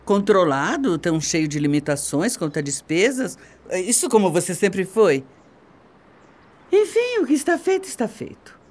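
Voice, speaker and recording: A scornful middle-aged Brazilian wife in a radio soap opera. Her delivery is haughty and theatrical, swinging widely in pitch as she mocks and belittles her husband. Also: sing-song, moderate pace, darkish tone. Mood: sarcastic.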